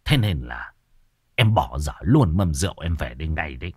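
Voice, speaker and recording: A man voicing a gruff middle-aged village man who speaks low and subdued. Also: very animated, normal speed, dry recording, studio quality, full character voice. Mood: explaining.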